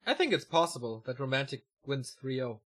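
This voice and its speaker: A man casting a live esports match: fast, excitable play-by-play that climbs at big moments, and relaxed chat with viewers between games. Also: medium pitch, breathy edge. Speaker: esports caster. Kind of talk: live video game match commentary.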